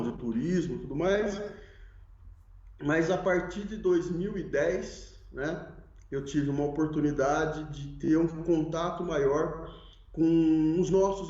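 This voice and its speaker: A man with a São Paulo accent, a tourism consultant who answers interview questions in a measured, explanatory way and often adds tag questions. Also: a little high, dark tone. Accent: São Paulo Brazilian Portuguese. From Brazil. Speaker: guest, tourism and social responsibility consultant. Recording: roomy, slightly dull sound.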